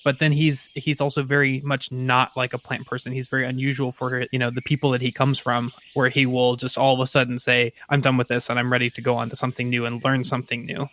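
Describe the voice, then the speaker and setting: A man's voice: medium pitch, little pitch movement, fairly bright tone. Thoughtful man describing his game character. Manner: thoughtful, halting, rephrasing as he goes. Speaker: player in a tabletop role-playing game.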